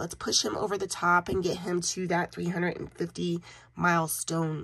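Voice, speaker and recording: The voice belongs to a woman. Her surroundings are quiet. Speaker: trading card channel host. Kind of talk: casual vlog chat.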